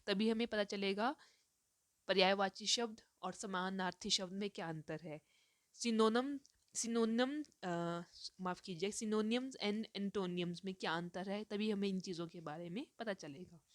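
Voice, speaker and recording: Brief: woman lecturer, mid pitch, explains step by step with English terms mixed in, pauses on "uh", dry close recording. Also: dry recording. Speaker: teacher. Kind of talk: recorded lecture on teaching reading.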